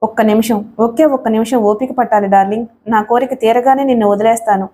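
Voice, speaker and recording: A woman's voice: a little high, fairly even intonation, fast talker, mellow, lightly acted. A woman voicing a lustful, arrogant young male villain in an audio story, speaking in a taunting, sneering way.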